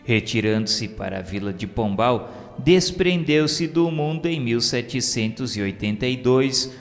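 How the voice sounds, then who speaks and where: Brazilian male narrator, solemn and formal, unhurried scripted religious radio drama read, long reverb. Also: medium pitch, lively intonation. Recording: long hall reverb under music. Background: music.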